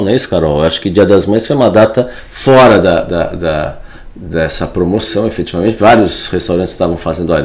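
Middle-aged man, low voice, radio co-host, measured, studio mic. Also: darkish tone. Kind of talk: studio interview. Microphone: studio microphone.

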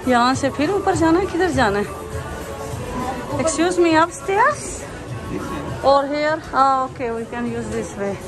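A woman's voice: sits high, animated, very slow, long pauses. Chatty woman vlogging through a crowd. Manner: chatty, exclaiming, talks to viewers while walking. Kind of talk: casual walking vlog narration. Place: busy outdoor expo grounds, then indoor pavilion. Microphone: handheld phone camera. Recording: crowd noise and music behind.

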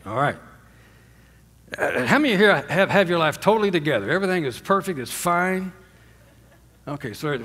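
A long reverb from the big church hall surrounds an older man giving a sermon on a stage with a drum kit. The pastor is emphatic, moving from loud bursts to soft, hushed conclusions while asking the congregation to say amen.

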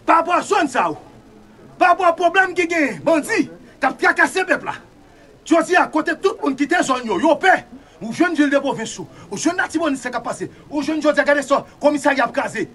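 Very high-pitched Haitian man, fervent. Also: lively intonation, brisk, pushed and bright. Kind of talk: impassioned political talk.

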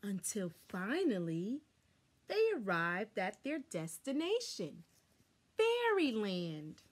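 A young adult woman reading a children's story aloud expressively, with deliberate, dramatic emphasis, recorded indoors on a camera a short distance away. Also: medium pitch, wildly swooping pitch, breathy edge. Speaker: storybook reader. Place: small furnished room indoors.

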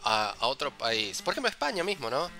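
A man's voice: medium pitch, big pitch swings, quick pace, sharp tone, soft background music. A man with an Argentine Rioplatense accent co-hosting a podcast in casual, joking chat, constantly tossing in "viste". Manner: loose, joking, peppers talk with "viste". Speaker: podcast co-host.

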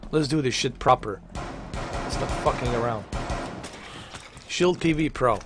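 A man's voice: medium pitch, measured pace, over music. A man in his thirties streaming a game from home into a headset mic, joking, teasing his chat and swearing as he plays. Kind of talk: casual gameplay commentary. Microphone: headset with large foam mic.

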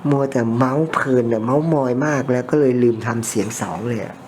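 Man, ear cleaner, casual ASMR chat, rambling storyteller, blunt and informal, mid-pitched voice, faint background hiss. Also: quick pace, darkish tone. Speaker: ear cleaner chatting with a customer. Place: ear-cleaning session with a customer.

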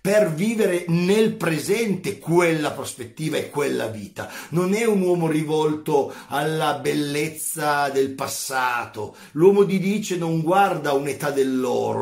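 A man's voice: fairly high pitch, darkish tone. A man teaching philosophy in a video lesson, emphatic and repeating phrases for stress.

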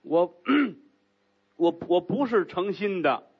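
A man's voice: high voice, slow pace, slightly rough, dull audio, exaggerated voice. A man doing a flustered, stammering opera actor. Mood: flustered, pleading. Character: nervous male opera actor, flustered and pleading.

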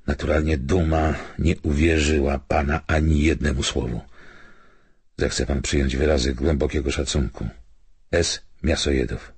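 A man narrating an audiobook, reading literary prose and letters in a measured, formal way. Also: extremely low pitch, flat delivery, darkish tone, slightly rough, no room sound.

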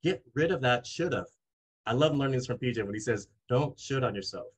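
A man's voice: mid-range voice, fairly quick, husky. A man in his forties, a money coach, speaking emphatically on a video call from a home office. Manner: energetic, emphatic, talks with his hands. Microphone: video call webcam.

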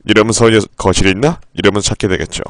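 A man live-streaming a game playthrough. He reads the in-game text aloud in a low, flat voice and breaks into sudden, profane outbursts. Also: quick pace, no room sound, clean studio sound.

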